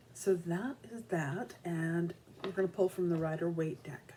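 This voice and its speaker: Noticeable noise fills the background. Over it, a woman talks at a rather slow speed. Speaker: tarot reader. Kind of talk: casual talk to camera. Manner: relaxed, conversational, with hesitations.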